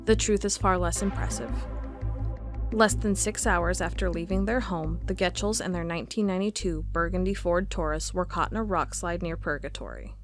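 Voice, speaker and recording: A woman's voice: lowish voice, normal speed, faint music behind, close to an everyday voice. A woman playing a methodical federal agent. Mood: dry, reading. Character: female federal agent, methodical, increasingly uneasy. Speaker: investigator reviewing case files. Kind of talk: audio drama monologue.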